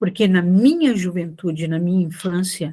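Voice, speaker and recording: Her dark, mellow tone sits at a medium pitch for a woman, and she talks at a fairly slow pace with a somewhat breathy quality. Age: 60s. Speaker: guest speaker on mental health. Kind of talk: conversational interview.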